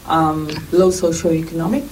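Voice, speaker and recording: A middle-aged South African woman, a nurse and midwife, giving earnest, measured interview answers. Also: sits low. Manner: measured, earnest, lists things in steady runs. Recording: distant mic with clear background noise.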